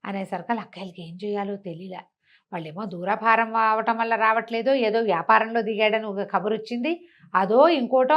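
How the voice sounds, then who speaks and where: High-voiced woman telling a folk tale. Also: a bit bright. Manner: chatty, colloquial, acts out villagers' quoted remarks. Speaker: storyteller. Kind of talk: conversational oral storytelling of a folk tale.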